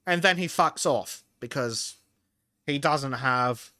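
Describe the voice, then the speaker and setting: A man's voice: mid-range voice, slow, pushed and bright, no echo, clean studio sound. A man with an Australian accent that he says mixes in American and English, lecturing bluntly and profanely in casual podcast chat. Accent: Australian, mixed with American and English. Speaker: podcast host.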